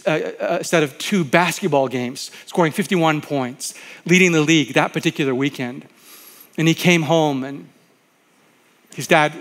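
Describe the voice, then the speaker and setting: A middle-aged male pastor preaching a sermon, telling a story with voiced quotes and slowing down to stress key lines. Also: on the high side, fairly bright tone.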